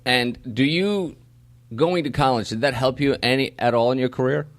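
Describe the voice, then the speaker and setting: A man's voice: mid-range voice, moderate pace, no room sound. A man hosting a casual podcast, asking curious questions and teasing his guest. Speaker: podcast host interviewer.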